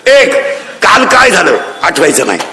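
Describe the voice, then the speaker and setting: A middle-aged man preaching a devotional sermon with humor, emphatic and often shouting out his points. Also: high-pitched, huge pitch swings, normal speed. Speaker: kirtan preacher.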